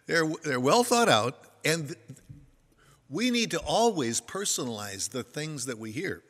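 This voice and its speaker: An older man preaches in a bright, forward voice, his pitch rising and falling freely as he tells a folksy story. He pokes fun at himself between points. A long reverb trails his words through a large hall. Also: big pitch swings, takes it slowly, long pauses. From United States. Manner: folksy storytelling with self-deprecating humor. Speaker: pastor. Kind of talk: sermon.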